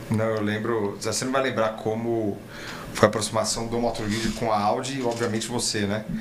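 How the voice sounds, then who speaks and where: Over light background noise, a man at medium pitch speaks at a moderate pace in a monotone, flat intonation. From Brazil. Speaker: podcast host. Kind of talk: casual chat. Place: studio. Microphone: studio mic.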